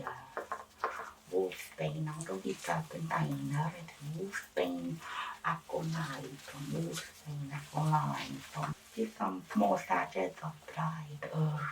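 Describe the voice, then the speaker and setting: A woman playing an eccentric, fussy medical examiner in an ASMR roleplay, talking in a halting, rambling, repetitive and reassuring way. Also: deep voice, vocal fry, far from the mic, full character voice, rough recording. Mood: explaining. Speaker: ASMR performer.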